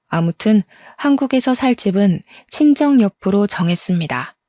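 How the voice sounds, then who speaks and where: A woman telling a first-person story in a chatty, confiding way, with exasperated asides, recorded close up in a quiet studio. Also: mid-range voice, no room sound. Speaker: storyteller reading a listener's story.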